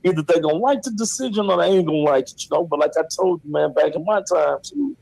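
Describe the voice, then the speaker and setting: A man calling in to a show, telling stories casually in animated, colloquial and boastful slang. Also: on the high side, quick pace, gravelly, dry recording, rough recording. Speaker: caller to the show, a ring announcer. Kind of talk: casual chat and storytelling. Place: on a call to a show.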